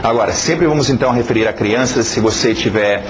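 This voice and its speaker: A male teacher talks through a course introduction in an easygoing, conversational way. He is a native English speaker, fills pauses with hesitations and keeps checking in with "ok?". Faint noise hums behind him. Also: medium pitch. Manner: chatty, repeats "ok?" often, many fillers.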